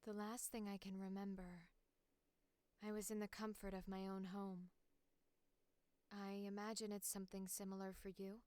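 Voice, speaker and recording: A woman's voice: mid-range voice, level tone, moderate pace, long pauses, darkish tone, clear, resonant tone, no echo, natural voice. A woman voicing a composed, faintly mocking captive in a puzzle game, reading theatrically and articulately for an audition. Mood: composed, reflective. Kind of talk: voice acting audition read.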